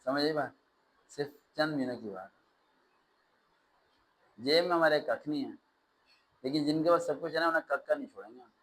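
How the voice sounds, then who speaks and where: Guy teaching a class, bit of a high voice, goes off on sarcastic rants. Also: normal speed, pauses often, slight background noise, low-quality recording. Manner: animated, ranting with sarcastic asides. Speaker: test-prep teacher. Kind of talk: classroom lecture.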